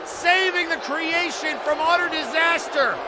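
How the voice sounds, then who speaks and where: A man calls live wrestling in a very high, strained shout, excitedly exclaiming at the action and the referee. A loud crowd and noise surround his voice. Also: unhurried. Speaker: wrestling play-by-play commentator. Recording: noisy event audio with loud crowd. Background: crowd noise and slamming thuds.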